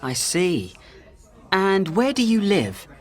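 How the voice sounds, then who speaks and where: A speaker voicing a friendly questioner in a scripted practice dialogue for learners, with a very lively sing-song intonation. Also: mid-range voice, takes it slowly. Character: friendly questioner meeting new people.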